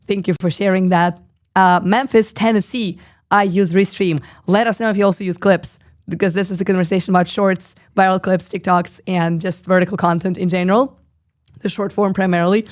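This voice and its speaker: A woman in her thirties hosting a live stream with a hoarse, husky voice, chatting casually and reading viewer comments aloud with lots of fillers. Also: lowish voice, darkish tone. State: hoarse, lost voice.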